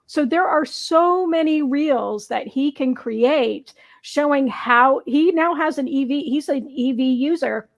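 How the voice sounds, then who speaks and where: A woman's voice: sits high, a little slow, hardly any pauses. A woman co-hosting a casual panel discussion, explaining things in a conversational way. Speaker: talk show co-host.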